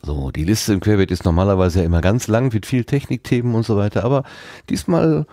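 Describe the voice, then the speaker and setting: A man's voice: lowish voice, brisk, mellow, slight background noise. A man casually moderating a podcast conversation as its host.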